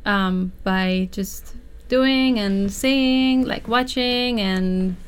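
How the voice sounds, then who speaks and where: Young woman, colombian-born singer, smooth clear voice, lots of ums. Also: mid-range voice, drawn-out words. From Colombia, Bogota. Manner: warm, laughs often, many fillers. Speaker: flamenco singer. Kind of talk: casual interview chat.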